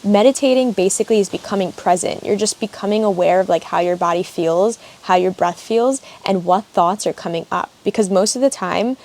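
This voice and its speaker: A woman's voice: medium pitch, brisk, hardly any pauses, a little mellow. A young woman hosting a casual solo podcast from an open air cabin, chatty and rambling with lots of "like" fillers. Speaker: podcast host and yoga teacher. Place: open air cabin outdoors, wind in background.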